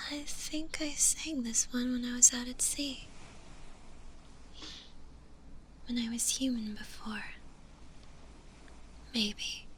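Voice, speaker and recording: Woman voicing a whispering, very slow zombie girl. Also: on the high side, a little hiss or hum, full character voice, low-quality recording. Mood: soothing, tender. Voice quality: soft breathy whisper. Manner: slow, hesitant, tender delivery with long pauses. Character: gentle, lonely stitched-together zombie girl, tender and yearning. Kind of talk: whispered ASMR roleplay.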